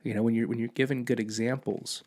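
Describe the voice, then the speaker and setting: A man's voice: mid-range voice, steady tone, fast talker, darkish tone. A man, a police officer and podcast guest, telling a long personal story in casual conversation, rambling with many restarts and acting out quoted dialogue.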